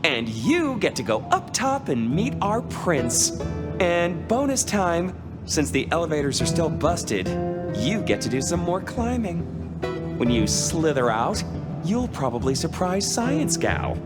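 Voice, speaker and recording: A man's voice: a little high, very animated, a little slow, over loud music. An actor voicing a flamboyant, foul-mouthed male vampire in a video game, campy, theatrical and teasing. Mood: sardonic.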